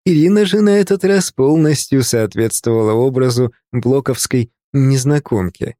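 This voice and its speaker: A male narrator reads a novel in a calm, measured storytelling voice. His tone is warm and mellow, at an everyday pitch. The sound is dry and close, with no room around it. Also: dry recording. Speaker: audiobook narrator.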